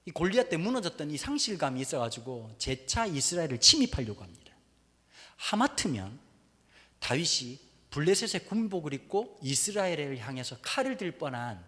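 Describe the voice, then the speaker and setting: A man preaching a sermon as a pastor, in an animated, joking storytelling manner. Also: fairly high pitch, moderate pace, long reverb tail. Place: church sanctuary.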